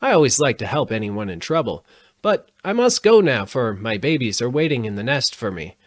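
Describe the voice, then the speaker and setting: A man voicing a kind, brisk female stork with a matter-of-fact manner in a storybook reading. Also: medium pitch, sing-song, pitched above the performer's own voice. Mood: kindly. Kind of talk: storybook character voice in audiobook.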